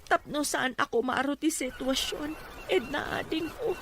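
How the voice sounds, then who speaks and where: A clearly noisy recording carries an actress playing a gentle, long-suffering wife. She speaks high, with an Ilocano accent, in radio-drama style. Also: moderate pace. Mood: sad, resigned. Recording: clearly noisy ambient background.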